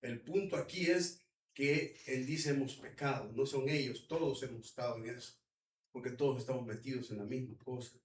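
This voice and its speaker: A man's voice: mid-range voice, steady tone, normal speed. A man with a Salvadoran accent preaching a conversational sermon as pastor, speaking colloquially and asking the audience questions. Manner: colloquial, asks the audience questions, acts out quotes. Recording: echoey hall, mic at a distance.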